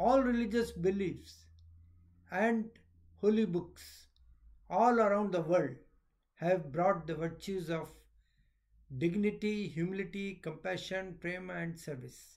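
A high-pitched man at a fairly slow pace with long, frequent pauses, over a quiet background. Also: ordinary pitch variation. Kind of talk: recorded message speech. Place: home room. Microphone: webcam.

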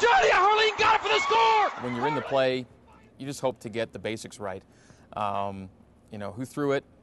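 Male voice at a very slow pace, dry sound with no echo, noticeable background noise. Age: 40s. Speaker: sports play-by-play radio broadcaster. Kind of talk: interview. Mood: relaxed, reminiscing, smiling. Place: hall. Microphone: lapel.

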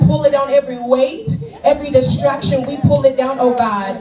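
The speech moves at a moderate pace, and music plays in the background. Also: woman. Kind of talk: opening prayer. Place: church.

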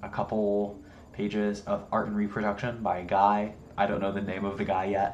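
A man with a fairly low pitch is heard with light background noise and audible room echo. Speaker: vlogger. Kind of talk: casual vlog chat. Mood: relaxed, laughs often. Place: home room. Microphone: webcam.

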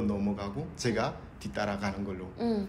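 A man's somewhat breathy voice comes through over light background noise. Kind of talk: interview answer. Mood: calm, recounting a personal story. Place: cafe.

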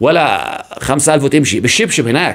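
Against a quiet background, a man with a fairly high pitch speaks in an animated tone at a moderate pace, with ordinary pitch variation. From Yemen. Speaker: YouTube commentator. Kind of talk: monologue commentary. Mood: indignant, appealing, mocking. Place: home room. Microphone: studio mic.

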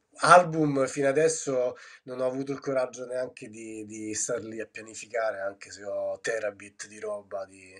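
A man talks at a moderate pace with ordinary pitch variation. His loudness swings widely against a quiet background. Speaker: music video maker; guest. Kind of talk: interview. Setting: video call. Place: home room. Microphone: webcam.

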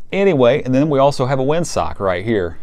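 Here a man speaks at a medium pitch with a slightly mellow tone. His intonation is lively and his pace fairly quick.

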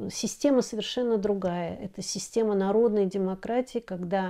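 A dark, mellow tone with fairly even intonation against a quiet background. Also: woman. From Kazakhstan. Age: 60s. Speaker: former TV executive and political video blogger. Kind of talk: monologue to camera. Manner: halting, with fillers. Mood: calm, serious. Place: home room.

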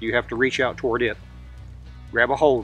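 A man's voice, dry with no echo, over faint background music. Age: 60s. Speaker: pastor and traditional bow hunter. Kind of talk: devotional message to camera. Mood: earnest, encouraging. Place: forest.

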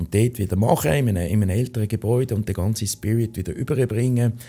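With a dark, mellow tone, a man speaks at a fairly low pitch and ordinary pitch variation. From Switzerland. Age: 50s. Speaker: restaurant owner; podcast guest. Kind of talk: interview. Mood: relaxed, open, conversational. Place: studio. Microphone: studio mic.

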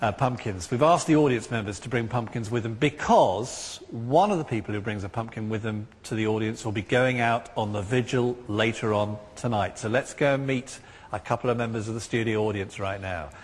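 Moving at a fairly quick pace, a man speaks at a medium pitch. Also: ordinary pitch variation. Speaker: studio TV presenter. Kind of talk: live TV presenting. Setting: studio. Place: studio. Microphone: handheld.

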